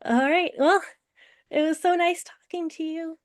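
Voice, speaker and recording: A woman's voice: very high voice, fairly even intonation, measured pace, dry recording, studio quality. A woman interviewer chatting casually, a little hesitant and giggly as she talks.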